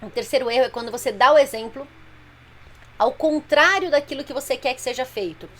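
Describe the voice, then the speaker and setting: A woman's voice: high voice, a little fast. A woman parenting coach talking directly to mothers on a live stream, explaining plainly and patiently. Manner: explanatory, plain-spoken, addresses viewers directly.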